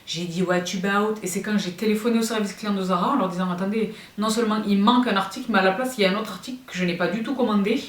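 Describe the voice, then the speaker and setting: French woman, young, fashion vlogger, chatty, talks to her viewers, mid pitch, roomy sound, off-mic. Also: very fast, hardly any pauses. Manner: chatty and expressive, addresses viewers as girls. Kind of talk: casual haul chat to viewers. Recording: roomy, a bit far from the mic.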